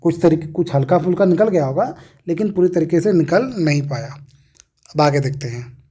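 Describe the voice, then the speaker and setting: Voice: mid-range voice, expressive, brisk, warm tone, slightly rough. A teacher explaining a lesson, asking questions and answering them while repeating key words. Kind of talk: explaining an English reader lesson.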